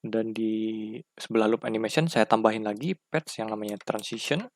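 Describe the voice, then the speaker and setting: A man with an Indonesian accent giving a casual, step-by-step software tutorial and addressing viewers informally as friends. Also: on the low side, fairly even intonation, moderate pace. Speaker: tutorial presenter.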